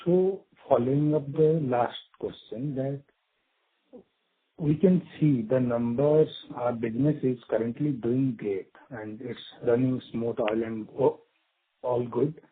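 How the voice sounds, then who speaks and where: A man's voice: mid-range voice, fairly even intonation, slow pace, slightly rough. A man with an Indian accent calling in as an individual investor, asking conversationally and often seeking confirmation. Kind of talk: conversational question on a conference call. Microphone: phone. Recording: poor, muffled breaking-up phone line.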